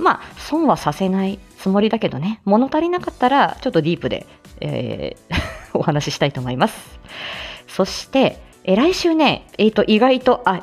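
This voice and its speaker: A woman who works as a speech-language therapist, chatting casually on her own live stream, full of fillers and little laughs. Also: mid-range voice.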